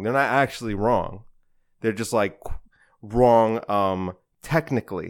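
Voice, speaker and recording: On a very clean recording with a silent background, a man uses a normal speaking voice at a medium pitch with ordinary pitch variation. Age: 20s. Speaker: stand-up comedian. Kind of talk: casual chat.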